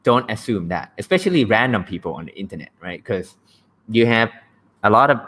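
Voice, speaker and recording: A man's voice: on the low side, expressive, brisk, fairly bright tone. A young man from Thailand with a Thai accent, hosting a casual livestream about language learning, blunt and joking and often checking in with "right?". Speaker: livestream host.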